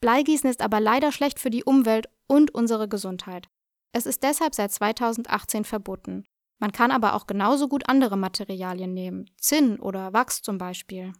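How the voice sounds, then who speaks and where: A woman presenting a language lesson, explaining in a clear, measured, scripted way. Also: a little high, no echo, clean studio sound.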